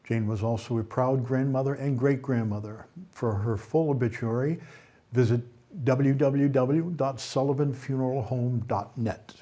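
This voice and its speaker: A man anchoring a local news roundup, reading stories in a steady way with occasional slips and self-corrections. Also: medium pitch, normal speed.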